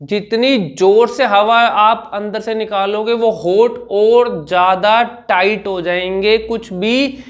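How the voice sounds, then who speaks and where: Speech coach, male, higher voice; patient, instructional vlog delivery. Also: steady tone. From India. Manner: demonstrates sounds by repeating syllables slowly.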